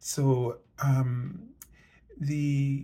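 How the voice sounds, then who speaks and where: Dark and mellow in tone and somewhat breathy, a man with an American accent speaks at a medium pitch with fairly even intonation. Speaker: angel tarot reader. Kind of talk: spiritual reading monologue. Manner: halting, many fillers.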